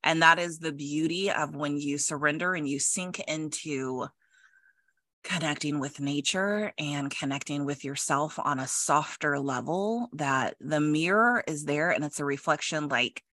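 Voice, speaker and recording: A woman hosting a podcast with a bright, forward voice in a dry, close recording. She talks in a casual, reflective way and leans on repeated phrases for emphasis. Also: sits low, unhurried, dry recording. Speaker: podcast host.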